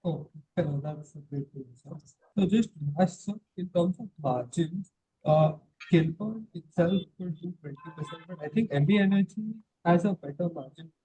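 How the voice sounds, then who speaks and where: A man, an analyst asking polite, soft-spoken questions on a conference call. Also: high-pitched, moderate pace, slightly rough. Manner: soft-spoken, polite, says sir often. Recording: muffled phone-line call.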